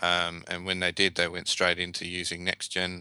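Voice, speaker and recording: Speaking at a moderate pace with an Australian accent, a man has a very deep, low pitch and a bright, sharp tone. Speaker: computer enthusiast, former demo scene musician. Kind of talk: casual interview. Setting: remote call.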